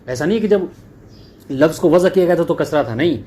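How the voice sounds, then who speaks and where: A man with a dark, mellow voice teaches Arabic grammar to a class. He reads the Arabic text slowly before explaining it in quicker talk. He checks again and again that his students have understood, with faint background noise. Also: on the high side, lively intonation. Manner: keeps checking understanding with "clear?" and "okay".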